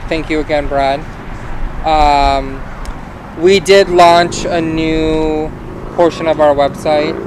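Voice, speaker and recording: A man drawls at a very slow pace while noticeable background noise carries on. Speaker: event moderator for recovery housing association. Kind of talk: panel discussion. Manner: loud.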